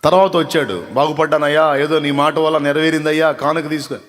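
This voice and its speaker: A male pastor preaching a Sunday sermon, emphatic, building to loud repeated phrases and dropping back to quiet asides. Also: on the high side, brisk. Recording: echoey hall reverb.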